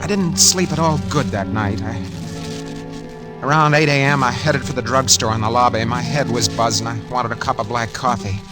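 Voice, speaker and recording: An actor as a nervous, hard-boiled impostor narrating. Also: male voice, medium pitch, moderate pace, lightly acted. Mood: tense. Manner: tense hard-boiled first-person narration. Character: nervous scheming man posing as someone else. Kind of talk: 1940s radio acting. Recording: old radio broadcast with music.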